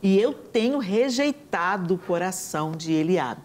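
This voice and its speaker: Mulher brasileira, convidada de programa, tom de pregação, conta histórias com animação. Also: female voice, lowish voice, a little slow. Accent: Brazilian Portuguese. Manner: earnest, quotes scripture, animated storytelling. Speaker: talk show guest. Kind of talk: conversational preaching.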